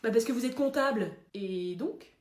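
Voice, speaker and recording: A woman's voice: a little high, normal speed, roomy sound, lightly acted. Woman playing a snarky heaven receptionist. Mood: blunt. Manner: blunt, sarcastic, loud. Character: grumpy sarcastic female heaven receptionist.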